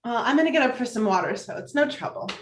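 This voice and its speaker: A high female voice in a roomy space as an actress reads a heartbroken woman in her thirties. She is emotional and hard on herself, in romantic comedy film dialogue. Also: animated, fast talker, close to an everyday voice. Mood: tender, shy. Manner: emotional, self-critical. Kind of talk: virtual table read of a film script.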